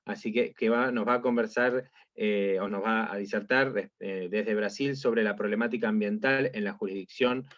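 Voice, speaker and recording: A man's voice: fairly low pitch, fairly even intonation, moderate pace, hardly any pauses, fairly bright tone, no room sound. A man moderating an academic online panel, introducing speakers in a wordy way full of fillers and restarts. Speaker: event moderator. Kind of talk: formal introductions. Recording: dull, dry video-call audio.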